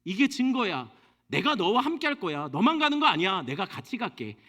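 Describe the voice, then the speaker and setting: A man voicing God as a calm, patient divine speaker in a sermon retelling, talking slowly and softly. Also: high voice, heavily acted. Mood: gently assuring. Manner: slow, soft and reassuring.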